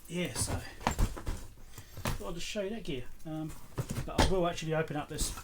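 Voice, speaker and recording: Man rambling casually, slightly high voice. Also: normal speed. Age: middle-aged. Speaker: electronics repair video host. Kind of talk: casual unscripted show-and-tell. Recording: clear background noise with clicks.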